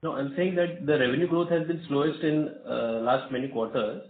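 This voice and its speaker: A man's voice: on the high side, steady tone, fairly quick, roomy sound. Man questioning over a tinny phone line. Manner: polite and hesitant, many fillers, says sir. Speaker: analyst asking questions on an earnings call. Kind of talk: business call questions.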